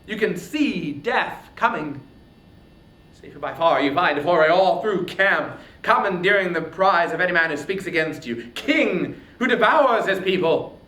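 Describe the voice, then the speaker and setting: A man acts out a proud warrior hero of ancient epic, raging and anguished. The voice is high and declamatory, drawing words out slowly. The room rings around it. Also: animated, pushed and bright, exaggerated voice. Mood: furious, defiant. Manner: declamatory, impassioned, drawn-out words. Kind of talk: dramatic epic poetry reading. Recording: roomy echo, faint rumbling noise.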